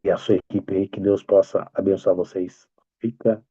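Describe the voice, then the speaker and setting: Brazilian pastor guy, low mellow kinda husky voice, praying then chatting on a video call, dry dull audio. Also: flat delivery, normal speed, no echo. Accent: Brazilian Portuguese. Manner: fervent soft-spoken prayer, then upbeat warm greeting. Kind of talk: prayer and sermon talk.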